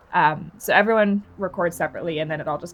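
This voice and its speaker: A woman with a Canadian accent at a very fast pace, over music in the background. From Canada. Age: adult. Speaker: voice actor. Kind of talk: gameplay commentary. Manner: lazy, relaxed delivery.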